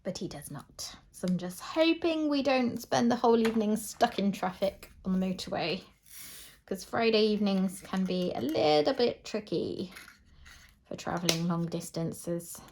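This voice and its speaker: A woman's voice: medium pitch, animated, moderate pace, darkish tone, slight background noise. A middle-aged British woman chatting casually and in a rambling way as she hosts a craft video at home. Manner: chatty, rambling, often chuckling. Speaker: craft channel host. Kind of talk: casual chat while doing a craft. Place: indoors at home.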